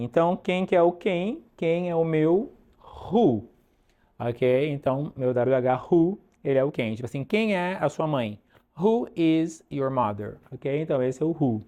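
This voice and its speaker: A man teaching an online English lesson, drilling pronunciation slowly and checking in with "ok?" often. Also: mid-range voice, mellow.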